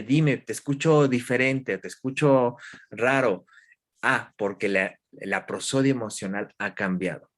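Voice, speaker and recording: A man, a guest expert in an interview, explaining calmly with examples and questions to the listener. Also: mid-range voice. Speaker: guest expert in human development.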